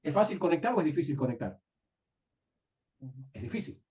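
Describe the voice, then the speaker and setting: A man teaching a live class, often pausing to ask his students whether they follow. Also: on the high side, very animated, darkish tone. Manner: asks the class frequent checking questions. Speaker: NLP teacher. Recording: distant, dull lo-fi room recording.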